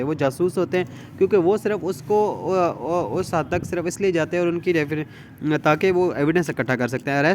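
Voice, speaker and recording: A man's voice: on the high side, slight background noise. A man with a Pakistani accent giving an informal law lecture, reading from notes and explaining them while switching between two languages. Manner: switches between Urdu and English, repeats check phrases.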